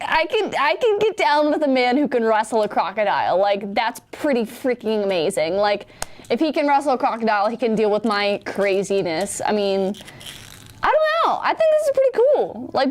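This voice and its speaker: A young woman co-hosting a student news show, chatting casually with lots of "like" and reading news items in between. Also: moderate pace. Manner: animated, lots of "like", lively swings in pitch.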